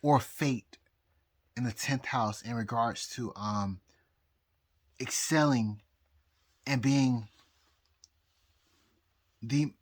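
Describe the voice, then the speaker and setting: A very drunk man rambling casually to viewers, halting and repeating himself as he loses his thread. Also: medium pitch, breathy edge. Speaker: amateur astrologer vlogger.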